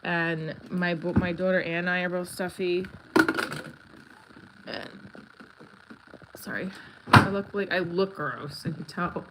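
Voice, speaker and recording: Speaking slowly with long pauses, this lowish-voiced, middle-aged comedy creator and performer runs a live stream from her home. Her nose is blocked, giving her a stuffy sound, and her talk is casual, frank and wandering. Clicks and obvious noise fill the home recording.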